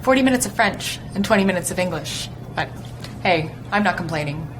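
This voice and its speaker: A woman's voice: on the low side, lively intonation, brisk, background noise, lightly acted. A woman in a scripted conversation, chatty and enthusiastic. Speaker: language club member. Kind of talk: scripted conversation for a listening test.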